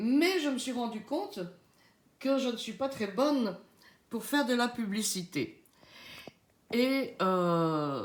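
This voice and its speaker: Speaking very slowly, a woman uses a fairly high pitch with very wide pitch swings. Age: 80s+. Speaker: self-published author. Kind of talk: casual monologue to camera. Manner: halting, with many hesitations.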